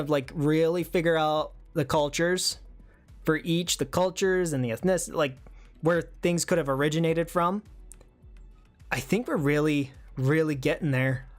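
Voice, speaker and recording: A livestream host chatting casually and reading viewer comments, thinking out loud in a hesitant, musing way. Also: medium pitch.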